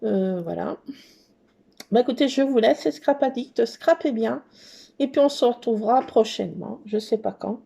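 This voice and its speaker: A bubbly woman hosts a casual craft tutorial from her work table. Her fairly high voice has a gravelly edge, and her tone stays mellow as she chats away and mutters to herself while she works. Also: moderate pace. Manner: chatty, talks to herself while working; bubbly, gushing. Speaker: scrapbooking channel host.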